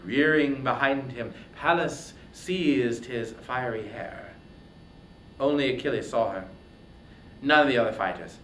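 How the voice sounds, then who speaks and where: A man's voice: medium pitch, unhurried, a bit bright. A man giving a dramatic, declamatory reading of epic poetry as narrator. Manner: theatrical, declamatory. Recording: roomy echo, faint background noise.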